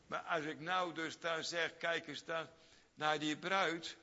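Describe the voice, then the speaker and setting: A man preaching a sermon slowly and emphatically, repeating phrases and swinging from loud high outbursts to quiet low asides. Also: steady tone. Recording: dull lo-fi recording in a reverberant hall.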